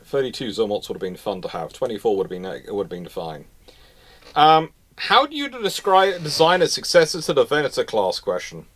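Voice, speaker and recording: A man hosting a casual, analytical discussion, building his points haltingly and repeating phrases as he goes. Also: mid-range voice, big pitch swings, fairly bright tone. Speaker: host of a naval history question show.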